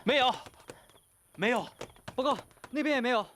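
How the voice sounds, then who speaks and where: High, flustered young police sidekick. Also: male voice, quick pace, a bit bright, slight background noise. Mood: apologetic. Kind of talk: Chinese period TV drama acting.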